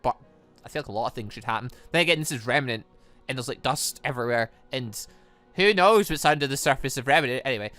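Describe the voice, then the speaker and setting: Animated, bright-voiced gaming commentator. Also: mid-range voice, quick pace, soft background music. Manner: animated, chatty, reacts with exclamations. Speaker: gaming channel host reading a visual novel aloud. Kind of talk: let's play commentary with voiced dialogue reading.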